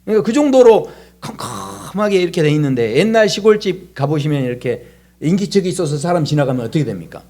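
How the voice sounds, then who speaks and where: A man's voice: a little high, sing-song, fast, warm tone. A middle-aged male pastor preaching a Sunday sermon in a church, posing questions to the congregation and answering them himself. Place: church sanctuary.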